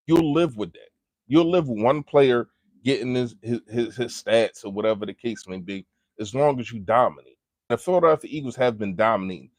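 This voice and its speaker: A man's voice: mid-range voice, no room sound. A man giving casual, unscripted sports commentary as a fan, speaking colloquially and emphatically and repeating phrases to drive points home. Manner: colloquial, informal grammar.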